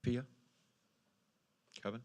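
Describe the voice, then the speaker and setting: A man speaking as mayor at a council meeting, halting and repeating words as he works through his point. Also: warm tone. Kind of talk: formal meeting discussion.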